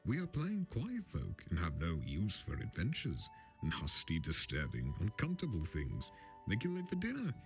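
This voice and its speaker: A man voicing a polite, fussy, excitable hobbit gentleman in a storybook reading, prim and chatty with eager exclamations. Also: low voice, normal speed, full character voice. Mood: flustered, dismissive. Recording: film score music underneath.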